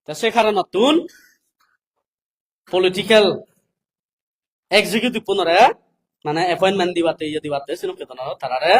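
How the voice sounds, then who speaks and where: Male political speaker, South Asian accent, notably high-pitched, delivering a deliberate, explanatory public address. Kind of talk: public address, reading English passages and explaining them.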